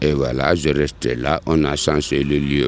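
Over noticeable background noise, a man speaks very slowly in a very deep, low voice with monotone, flat intonation. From Senegal. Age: 50s. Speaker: community garden keeper. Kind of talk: casual interview. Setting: outdoors.

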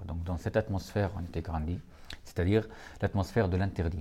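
With an Arabic accent, a man talks at a fairly quick pace in a very deep, low pitch, his dark, mellow tone somewhat breathy and his intonation fairly even. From Syria, near Damascus. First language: Arabic (speaking French). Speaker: poet and novelist. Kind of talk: interview. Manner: halting.

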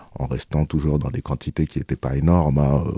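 A man's very deep voice, dark and mellow with vocal fry, keeps fairly even intonation in a dry, close sound with no echo. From Île-de-France, France. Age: 30s. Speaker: former cannabis dealer. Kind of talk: interview testimony.

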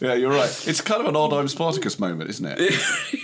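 Noticeable background noise sits behind the recording. The man keeps a moderate pace. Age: 50s. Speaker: podcast host. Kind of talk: casual chat. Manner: halting.

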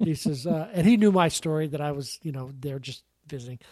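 A man with an American accent talks at a fairly quick pace with lively intonation in a plain, everyday voice. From Pittsburgh, Pennsylvania. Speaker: sports columnist. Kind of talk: casual chat.

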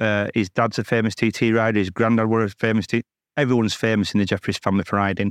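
A man's very fast, fairly low, monotone delivery with a Yorkshire accent, very even loudness, and a dry, close sound with no echo over a quiet background. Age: 40s. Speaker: former traffic police officer. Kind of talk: casual chat.

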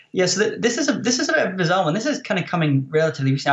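A man with a Scottish accent sounds somewhat breathy. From Scotland. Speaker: creativity author and speaker. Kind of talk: interview.

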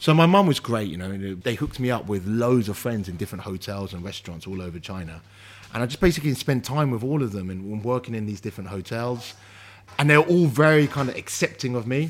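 Speaking very fast with a London accent, a man of medium pitch uses lively intonation and big swings in loudness. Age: 30s. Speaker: chef. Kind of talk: casual chat.

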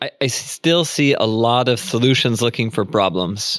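This is a normal speaking voice with an American accent. It moves at a fairly slow pace with ordinary pitch variation. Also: man. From United States. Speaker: startup founder and CEO. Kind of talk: interview. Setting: studio.

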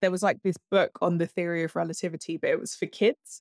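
On a very clean recording with a silent background, a woman with a London accent speaks at a moderate pace. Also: dry, close sound with no echo. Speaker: entrepreneur, company CEO. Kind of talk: casual interview.

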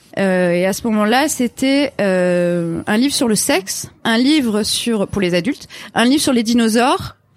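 A woman with an ordinary speaking voice and a fairly high pitch speaks at a fairly slow pace, her intonation lively and her loudness very even. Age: 30s. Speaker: illustrator. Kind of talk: live panel discussion. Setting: stage with audience.

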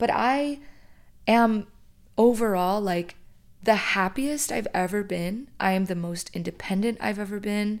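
On a very clean recording with a silent background, a woman uses a normal speaking voice at medium pitch and a moderate pace. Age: 20s. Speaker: podcast host. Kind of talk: solo advice monologue. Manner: casual, conversational.

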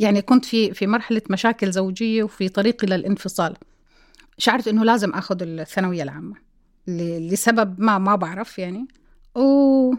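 Recorded very cleanly against a silent background, a woman with a normal speaking voice talks at a moderate pace, medium in pitch with ordinary pitch variation. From Kuwait, Jordanian family. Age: 40s. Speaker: heart transplant recipient. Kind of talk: personal testimony interview.

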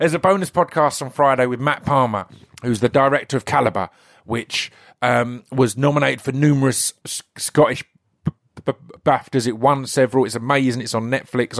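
This man has an English accent and a medium pitch with ordinary pitch variation. He talks at a fairly quick pace in a dry, close sound with no echo. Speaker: podcast host. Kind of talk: casual chat. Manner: rambling, halting.

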